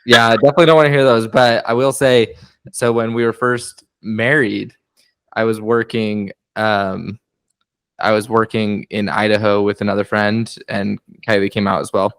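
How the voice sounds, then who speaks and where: A man's voice: fairly low pitch, flat delivery, normal speed, fairly bright tone, smooth, no echo. A young man, a guest husband, telling stories in a casual podcast chat and laughing often. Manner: chatty storyteller, laughs often.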